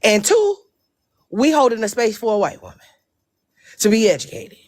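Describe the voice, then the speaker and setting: A woman's voice: fairly high pitch, wildly swooping pitch, moderate pace, dry recording. A woman with an African American English accent talks on a live panel. She is blunt and impassioned, stressing her points by repeating phrases in casual speech. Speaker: panel speaker.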